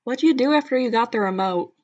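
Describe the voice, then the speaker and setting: A woman's voice: on the high side, animated, fairly quick, darkish tone, no echo, natural voice. A woman playing a matter-of-fact, questioning sister in an amateur audio drama. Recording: distant, slightly muffled microphone.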